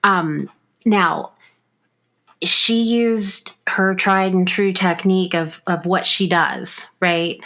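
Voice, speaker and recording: A woman's voice: lowish voice, slow pace, vocal fry, a bit bright. A woman co-hosting a true crime podcast, laying out her argument step by step with plenty of fillers in casual discussion. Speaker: podcast co-host.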